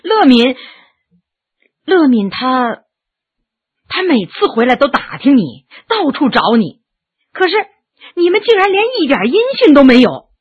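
A woman voicing a calm, kindly gentleman who talks in a gentle, measured, husky voice. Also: high voice, phone-quality sound, exaggerated voice.

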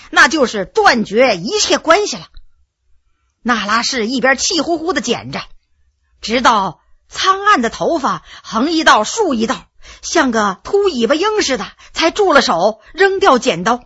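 A woman storyteller narrates dramatically, her bright, slightly husky voice sitting high. Her pitch rises and falls in lively swings as she turns to the listener now and then. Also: normal speed, lo-fi sound. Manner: vivid, dramatic, with asides to listeners.

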